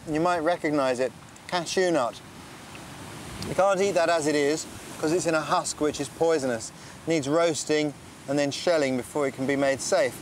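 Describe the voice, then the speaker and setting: Calm man explaining survival skills. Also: a little high, slight background noise. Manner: calm, explanatory, tells and shows step by step. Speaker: survival expert and presenter. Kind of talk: documentary narration and on-location demonstration. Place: outdoors on a tropical island.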